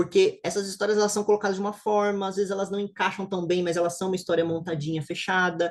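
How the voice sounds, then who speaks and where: A man with a high voice rattles along at a very fast pace with hardly any pauses. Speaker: Bible teacher. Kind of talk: lecture. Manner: animated.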